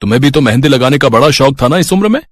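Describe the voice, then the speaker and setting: A man's voice: mid-range voice, lively intonation, very fast, dry recording, clean studio sound, natural voice. A man voicing an easygoing, teasing middle-aged father and husband in a storybook tale. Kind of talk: storybook voice acting.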